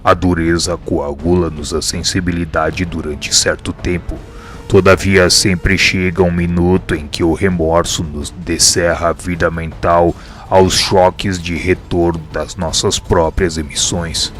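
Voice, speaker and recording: Very deep-voiced wise spirit mentor. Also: male voice, level tone, fairly bright tone. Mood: grave, instructive. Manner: measured, didactic, solemn. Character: wise, grave male spirit mentor teaching his pupil. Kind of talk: radio drama acting.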